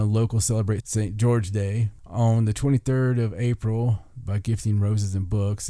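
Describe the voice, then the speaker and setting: A man's voice: fairly low pitch, warm tone, no room sound, studio quality. A man hosting a podcast, reading from a list in a folksy way with joking asides and stumbles over foreign words. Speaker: podcast host. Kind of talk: reading listicle aloud with casual joking asides.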